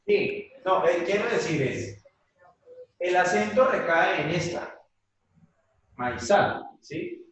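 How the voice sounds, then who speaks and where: A man's voice: sits high, animated, slow, fairly bright tone. A male teacher giving a classroom grammar lesson, patiently checking in with his students after each point. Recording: very echoey room, voice from far off.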